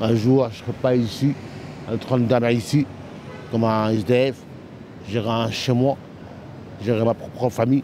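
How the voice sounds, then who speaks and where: Speaking at a fairly slow pace, a man is heard with noticeable background noise and a dry sound with no echo. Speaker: passer-by, homeless man. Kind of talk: street interview. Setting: outdoors. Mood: earnest, hopeful. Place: street. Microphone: handheld.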